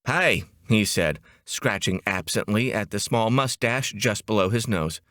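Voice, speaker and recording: A man's voice: on the low side, a little slow, fairly bright tone, no echo, studio quality. A man with an American accent reading scripted comic fiction as an audiobook narrator.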